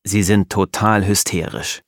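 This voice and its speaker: A male narrator reading a learner's story in short, clear sentences. His voice sits on the low side and moves very slowly, recorded close with a dry, deadened sound. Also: no echo. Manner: clear, simple sentences, careful pacing. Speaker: audiobook narrator. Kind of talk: slow scripted narration for language learners.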